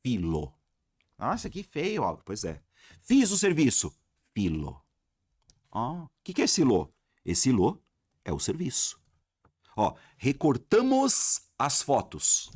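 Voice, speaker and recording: A man with a Brazilian Portuguese accent teaching a lively exam-prep grammar lesson, talking straight to his viewers and asking himself questions. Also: mid-range voice, slow, slightly rough, no echo, studio quality. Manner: animated, addresses viewers as "galera", asks himself questions.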